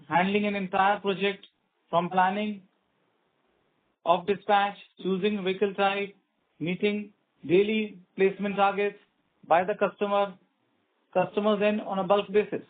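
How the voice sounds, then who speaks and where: A middle-aged man with an Indian accent reading a scripted company presentation on an earnings call. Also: high voice. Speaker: company executive. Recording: tinny narrow phone line.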